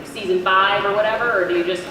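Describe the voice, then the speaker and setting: A man's voice: high voice, fairly even intonation, fast. A man in the audience putting an informal question to a convention panel. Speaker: audience member asking a question. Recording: very echoey hall, distant, clearly noisy.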